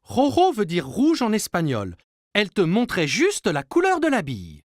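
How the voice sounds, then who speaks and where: A woman's voice: mid-range voice, huge pitch swings, normal speed, no echo, clean studio sound. A woman playing a patient, reassuring cartoon mother who explains things to a young child.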